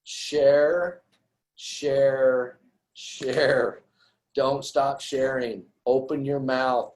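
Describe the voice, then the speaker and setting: A man's voice: medium pitch, fairly even intonation, drawn-out words, a little mellow, poor audio. A man hosting a company call, upbeat and effusive in his praise, repeating his points. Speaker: host, company presenter.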